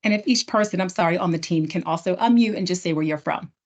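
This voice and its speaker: A woman's voice: lowish voice, quick pace. A woman training and hosting a virtual town hall, chatting casually with many fillers and restarts. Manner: chatty, filler-heavy, self-correcting. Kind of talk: casual presentation to partners. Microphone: video call. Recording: dull lo-fi video call audio.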